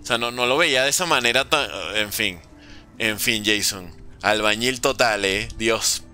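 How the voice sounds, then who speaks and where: This gaming streamer has a lowish, bright voice with a forceful tone, speaking at a moderate pace over soft background music. His livestream talk is casual and playful, packed with jokes and slang, and he reads chat aloud to respond to viewers.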